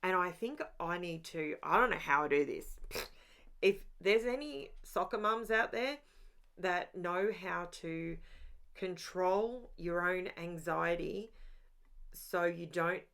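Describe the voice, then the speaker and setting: Speaking into a voiceover mic, a middle-aged crafting channel host rambles self-awarely and addresses her viewers directly. She has a lowish, slightly bright voice with vocal fry.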